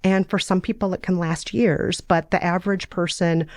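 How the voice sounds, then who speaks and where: A woman, hosting a podcast in a relaxed, wry way, chatting and reading fiction aloud. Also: on the low side, normal speed, no room sound, studio quality. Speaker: podcast host and storyteller.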